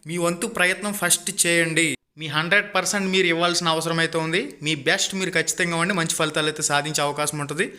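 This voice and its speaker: High, bright, fast-talking man. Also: fairly even intonation. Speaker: YouTube channel host giving exam news. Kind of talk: informal news update addressed to viewers.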